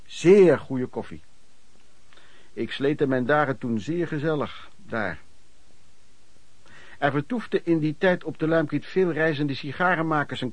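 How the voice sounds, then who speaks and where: A man's voice: a little high, no echo. An actor playing a former traveling merchant recounting his lodging-house years in colloquial radio drama narration.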